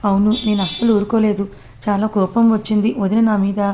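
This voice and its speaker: A woman voicing an anxious young woman in love, in a soft, plain reading voice. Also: mid-range voice, flat delivery, fast, a little hiss or hum, lightly acted. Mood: calm.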